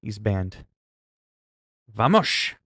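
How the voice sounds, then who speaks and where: A man hosting a livestream, chatting loudly in a mock-stern, profane way with quick swings in volume. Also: on the low side, big pitch swings, no echo, studio quality. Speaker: livestream host. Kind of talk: casual livestream chat.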